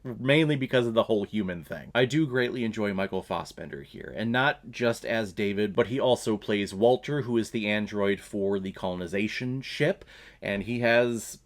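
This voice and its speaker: A young man talks straight to his viewers about a film he just watched. His voice sits in a middle register, and his take is blunt and sarcastic. He curses now and then and talks like he is chatting with friends. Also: mid-range voice. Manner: blunt and sarcastic, laughs and swears at characters. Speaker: movie review channel host. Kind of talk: casual movie review monologue.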